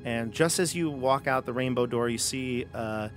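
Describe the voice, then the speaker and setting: A man's voice: medium pitch, normal speed, faint music behind. A man running a tabletop game as game master over a video call, narrating loosely with lots of fillers. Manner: rambling, easygoing, many fillers. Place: home room, video call. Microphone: headset.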